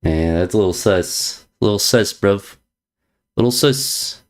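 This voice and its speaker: This man streams chess and reads out viewer messages in a relaxed, teasing way, looping back to jokey slang. He talks a little slowly in a lowish voice.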